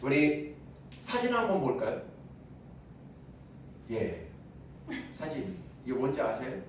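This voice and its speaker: A man's voice: medium pitch, huge pitch swings, slow pace, slight background noise. A male pastor giving a Sunday sermon in a conversational way, asking his congregation questions and chuckling now and then. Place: church sanctuary. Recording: very echoey room, voice from a distance.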